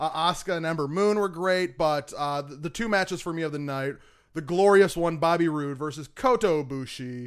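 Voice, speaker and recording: A man talks at a moderate pace with ordinary pitch variation on a very clean recording with a silent background. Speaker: wrestling fan. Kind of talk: casual chat.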